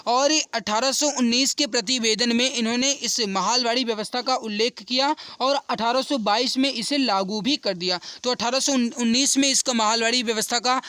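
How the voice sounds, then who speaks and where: A man with a strikingly high, very clean and smooth voice teaches an exam-prep class. He speaks straight to his students and repeats key points, often checking in with short tags. The sound is close and dry. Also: normal speed, hardly any pauses, sharp tone, no echo. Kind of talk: online exam-prep lesson, explaining quiz questions.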